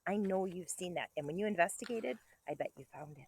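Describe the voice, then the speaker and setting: A woman kindergarten teacher reading to young children, enthusiastic and expressive, breaking off for chatty asides and questions to her listeners. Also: on the low side, a little fast, slightly rough. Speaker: kindergarten teacher reading a picture book to pupils.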